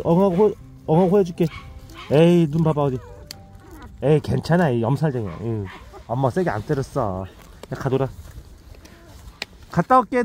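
A man talking casually to rescued dogs in a rural yard. He baby-talks to the puppies and laughs often. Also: high-pitched. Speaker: vlogger caring for rescued dogs. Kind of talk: casual vlog talk to dogs and viewers. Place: rural yard with dog kennels.

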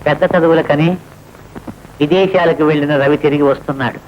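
A man's voice: fairly high pitch, fairly even intonation, a little fast, muffled recording, slight background noise, lightly acted. A man doing a writer declaiming his story. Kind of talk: dictating a story aloud.

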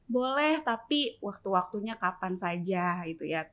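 A woman speaking as a parenting expert in an interview, measured, laying out points one by one and checking in with tag questions. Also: mid-range voice, expressive, a bit bright. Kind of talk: explanatory interview talk.

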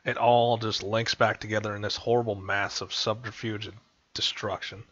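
A man's voice: on the low side, little pitch movement, normal speed, a bit bright. A man narrating as game master over voice chat, laughing often and slipping into character lines. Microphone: headset over voice chat. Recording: dull lo-fi voice chat.

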